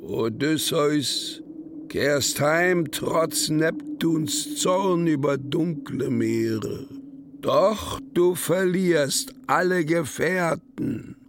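Stern dead prophet, raised pitch, drawn-out oracular phrases, radio verse drama, faint noise. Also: male voice. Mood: prophetic. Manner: very slow, halting, oracular. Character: grave male ghost seer, stern and prophetic. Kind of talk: radio play of epic verse.

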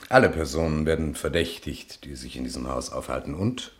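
An actor playing a courteous, wry police commissioner in a German radio crime drama, questioning deliberately with dry asides. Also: male voice, rumbling low, expressive. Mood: pondering, probing.

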